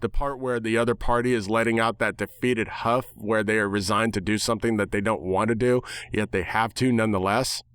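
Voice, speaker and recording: A man's voice: on the low side, fairly even intonation, fairly quick, hardly any pauses, a bit bright, clean tone, dry recording, clean studio sound. A man giving a dramatic first-person reading of a story as its narrator. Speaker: narrator of fan fiction.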